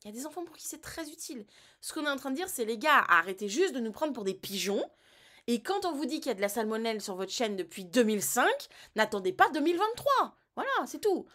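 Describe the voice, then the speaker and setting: A woman talks straight to camera in a casual commentary vlog. Her voice sits fairly high. She speaks in an emphatic, colloquial way and stays animated throughout. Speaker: vlogger giving health advice.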